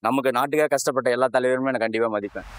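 A man's voice: mid-range voice, very fast, a little hiss or hum. A middle-aged man giving emphatic opinions in a street interview, often ending with rhetorical questions. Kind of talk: street vox pop answers. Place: footbridge stairway outdoors. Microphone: handheld interviewer mic.

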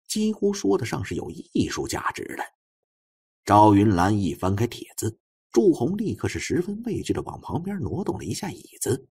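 A man narrates a suspense audiobook in a low, husky voice. His delivery is expressive and lively, with pitch that moves widely.

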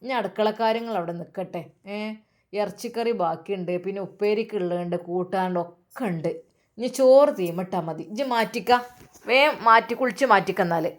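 A woman's voice: mid-range voice, lightly acted. A woman voicing an elderly Muslim mother who hurries and dotes on her family. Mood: fussing. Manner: hurried, fussing, affectionate.

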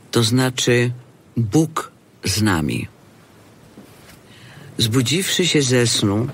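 A man narrating scripture from a script for an audio drama. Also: medium pitch.

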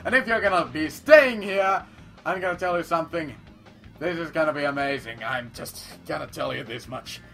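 A man who is not a native English speaker, commentating his gameplay in a rambling, playful way. He repeats phrases and bursts into loud declarations. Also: on the high side, normal speed, vocal fry, soft background music. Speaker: let's play commentator.

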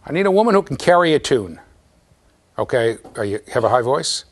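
A man with a low voice giving a classroom lecture, talking straight to the students in a lively, conversational way. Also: fairly quick. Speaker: university lecturer.

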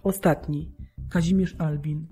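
A woman narrating a scripted documentary radio drama in a measured, solemn, clearly articulated way. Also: sits low, steady tone. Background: music.

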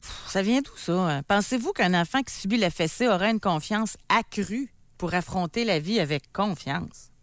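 A Québécois woman co-hosting a call-in radio show, briskly reading out listener questions and commenting. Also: mid-range voice, animated, dry recording. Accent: Québécois French. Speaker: radio co-host.

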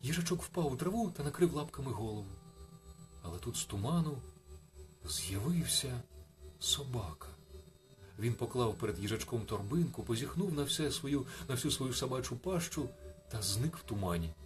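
A man reading a bedtime story on the radio in a calm, soft, reflective manner. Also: medium pitch, moderate pace. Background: faint music.

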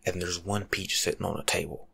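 A young American man giving soft-spoken ASMR advice in a slangy, teasing, lecturing way, often slipping into a breathy whisper. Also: deep voice, flat delivery, brisk. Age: young adult. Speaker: ASMR creator playing a life coach. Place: small home room, seated indoors.

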